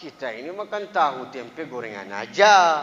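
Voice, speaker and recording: A man's high voice with a non-native accent, lively intonation and a very slow pace, amid noticeable background noise and audible room echo. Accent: foreign accent in Indonesian. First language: Arabic (speaking Indonesian). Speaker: Islamic preacher and teacher. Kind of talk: religious lecture. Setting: mosque.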